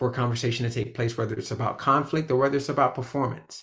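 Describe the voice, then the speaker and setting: A man speaks with an American accent, somewhat breathy and with fairly even intonation. The recording is very clean, with a silent background. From Florida, US (Immokalee). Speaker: organizational psychologist and executive coach. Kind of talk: interview.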